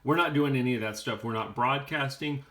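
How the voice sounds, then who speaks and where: A man's voice: medium pitch, brisk, a bit bright. A man explaining things step by step in a plain-spoken, casual how-to style. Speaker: how-to video host.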